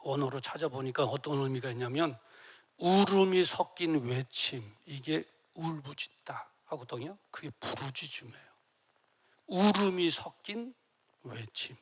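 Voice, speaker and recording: A middle-aged man preaching a sermon as pastor, emotional, dropping to near-whispers and rising to loud cries as he acts out tearful prayers. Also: a little high, expressive, unhurried, slightly rough. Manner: emotional, swings from soft to loud.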